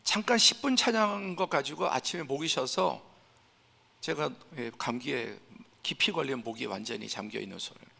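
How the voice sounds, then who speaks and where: Male pastor, gravelly tone, preaching with emphatic build-ups, long church-hall reverb. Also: mid-range voice, animated, moderate pace. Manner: emphatic, building to forceful peaks; acts out scenes in a hushed voice. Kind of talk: Sunday sermon. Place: church sanctuary.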